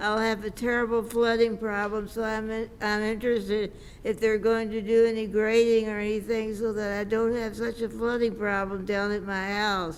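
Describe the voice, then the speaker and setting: A woman with a fairly high pitch speaks in a flat monotone at a moderate pace, with hardly any pauses. Audible room echo surrounds her voice. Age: 80s+. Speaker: resident speaking at public meeting. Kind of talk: public comment.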